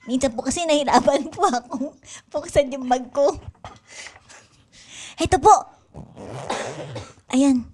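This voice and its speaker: Woman playing a high-voiced, polite little girl. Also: slow pace, pauses often, darkish tone, a little hiss or hum. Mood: eager. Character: polite, eager, chattering young birthday girl. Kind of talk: improvised radio drama.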